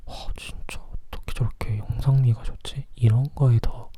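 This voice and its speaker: A person whispering softly and closely in a chatty ASMR style, like a reviewer sharing thoughts. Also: mid-range voice, fairly even intonation, normal speed. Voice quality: breathy, husky whisper. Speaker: film review vlogger.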